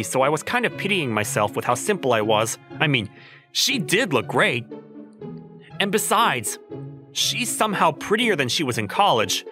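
A man acts out a flustered young office worker in a manga dub. His voice is lively and swings widely in pitch, skeptical and exasperated, with faint music behind it. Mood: wistful musing. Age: young adult. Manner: exasperated, incredulous, animated. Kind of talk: manga dub acting with inner narration.

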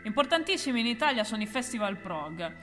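A woman co-hosting a music history video, delivering a scripted explainer with deadpan, ironic asides. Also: fairly high pitch, fast talker, in a large hall. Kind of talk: scripted explainer with playful banter.

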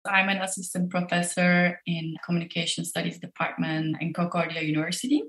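A woman's voice: lowish voice, flat delivery, a little fast, a bit bright, echoey room. A woman in her early forties from Turkey, a professor, answering interview questions thoughtfully from her office. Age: early 40s. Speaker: professor and lab director.

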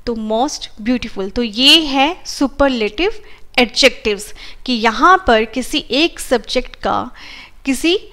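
A woman teaches grammar in an Indian English accent, going over each rule patiently and repeating her examples. Her voice sits high. She speaks at an unhurried, deliberate pace. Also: a bit bright. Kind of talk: explaining a grammar lesson in Hindi with English terms.

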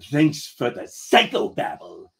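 A man's voice: medium pitch, big pitch swings, measured pace. A man voicing a defensive, bitter pirate captain with sarcastic pirate-dialect talk in a told story.

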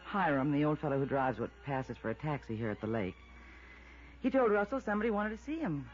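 A woman's voice: sits low, sing-song, a little fast, a little mellow. An American actress playing a wealthy, glamorous young woman, coy and evasive, in 1950s radio drama style. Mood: earnest, defensive. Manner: coy, teasing, languid. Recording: dull vintage radio recording, faint music.

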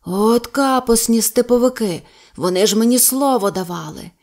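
A woman voicing a proud, fierce young male Cossack hero, speaking forcefully. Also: fairly high pitch, moderate pace, voice pushed up, close to an everyday voice. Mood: angry.

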